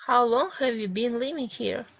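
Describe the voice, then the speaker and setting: A woman from Kyrgyzstan, an English student, reading a practice dialogue haltingly over a video call. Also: on the high side, gravelly. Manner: halting, hesitant learner. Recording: dull dry video call audio.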